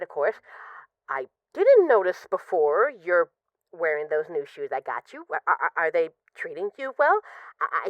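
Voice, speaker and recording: A woman's voice: on the low side, no room sound, highs cut off. A woman playing a possessive, lovesick mafia boss in an intimate, conversational audio roleplay of voicemails. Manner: conversational, teasing, halting when emotional.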